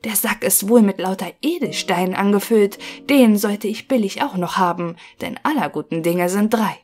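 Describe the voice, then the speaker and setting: A woman's voice: mid-range voice, normal speed, a little mellow, soft background music, lightly acted. A woman voicing a greedy, scheming male innkeeper in a fairy tale, speaking in sly, murmured tones.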